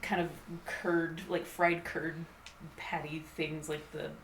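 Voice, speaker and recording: A woman's voice: deep voice, little pitch movement, slow pace. A woman playing a tabletop roleplaying game, chatting in a giggly way with lots of fillers. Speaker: player. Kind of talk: casual chat at a tabletop game. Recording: echoey room with faint hiss.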